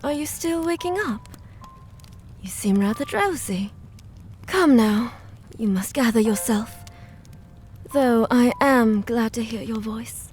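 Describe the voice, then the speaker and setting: A woman playing a gentle, doting maid in an audio drama, speaking formally and courteously. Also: on the high side, slow. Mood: tender, delighted. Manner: formal, courteous, softly solicitous. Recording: music behind the voice.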